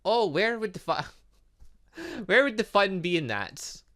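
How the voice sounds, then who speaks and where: Man reading a playful, teasing teacher, animated delivery. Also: high-pitched, slow pace, voice pushed up, full character voice. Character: playful, evasive teacher fond of their students. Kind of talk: reading visual novel game dialogue aloud.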